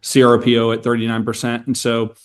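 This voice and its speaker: A man's voice: mid-range voice, monotone, fairly quick, smooth. Businesslike man presenting company results. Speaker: company finance executive on an earnings call. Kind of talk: prepared corporate remarks and answers to analysts.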